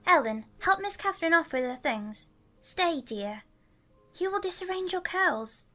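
A woman's voice: extremely high pitch, animated, unhurried, sharp tone, faint music behind, pitched above the performer's own voice, exaggerated voice. A woman voicing a fussy, genteel wife who gives orders, in a dramatized audiobook. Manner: fussing, commanding. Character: fussy, genteel young wife, bossy lady. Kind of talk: dramatized audiobook character reading.

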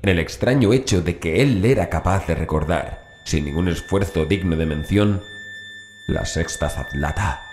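A man's voice: low-pitched, a little mellow. A man reading a scripted horror story as an audiobook narrator. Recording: roomy echo with faint music. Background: background music.

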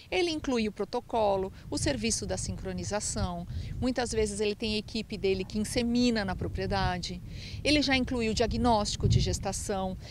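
A woman's voice: medium pitch, slight background noise. A woman researcher explaining cattle breeding methods in an interview, often checking in with the listener. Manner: explanatory, uses tag "tá?".

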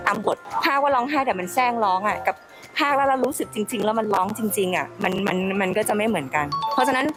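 A woman's voice: a little high, quick pace, over music. A middle-aged woman, a professional voice actor, giving casual advice in a chatty way, laughing often and repeating words as she thinks. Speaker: professional voice actor answering questions.

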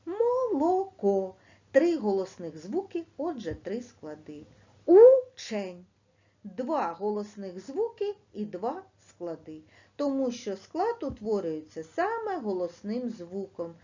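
Slow, lively woman teacher. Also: medium pitch, husky. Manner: lively, sing-song classroom delivery, stretching words slowly. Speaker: primary school teacher. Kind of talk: online lesson for second graders. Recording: dull lo-fi sound.

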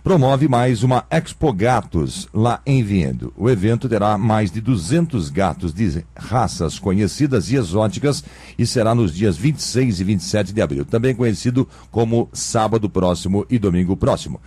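Man, brazilian portuguese accent, radio host, warm dark tone, slightly husky, dry studio sound. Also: fairly low pitch, animated, normal speed, no room sound. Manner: chatty, jokey asides. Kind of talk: radio interview.

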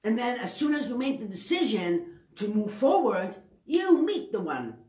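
A Greek-accented woman in her forties gives a tarot reading to camera from a table in an indoor room, chatty, correcting herself, and often checking in with the viewer. Her voice is a little high, very animated and warm, at a moderate pace. The room sounds reverberant.

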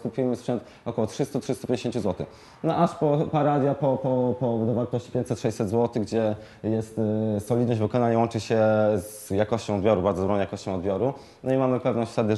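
Caught on a lapel mic, a man in his 20s working as a shop expert explains a product without a script. His warm, mid-range voice is halting, full of fillers, with frequent hesitations and repeated words.

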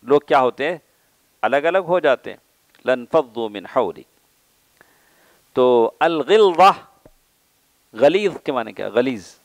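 This is a man speaking with an Indian Urdu accent, teaching a religious class to a gathering. His voice sits a little high for a man, and the sound is dry and close, with almost no room echo. He keeps asking his listeners questions and then answers them himself. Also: lively intonation, long pauses. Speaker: Islamic scholar giving a lecture. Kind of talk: religious lecture. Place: mosque or lecture hall.

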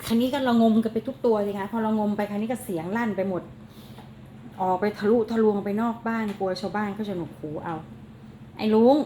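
A woman's voice: medium pitch, quick pace, warm tone, slight background noise. A woman filming her cats at home, chatting to them fondly and scolding them like children. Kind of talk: casual vlog narration. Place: home indoors.

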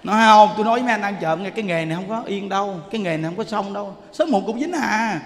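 A man giving a lively dharma talk, telling stories and exclaiming as he preaches. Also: high voice, background noise. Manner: animated, exclaiming, quick shifts between loud and soft. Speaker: monk preacher. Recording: long hall reverb.

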